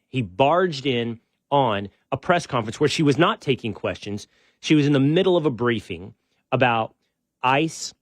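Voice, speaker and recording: A middle-aged man opens his show with loose, easygoing chatter, circling back on himself and cracking small jokes at his own expense. His voice sits at an ordinary male pitch. The sound is close and dry, with no room around it. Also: dry recording. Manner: relaxed and rambling, with frequent restarts and self-deprecating asides. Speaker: podcast host. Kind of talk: casual show-opening chat.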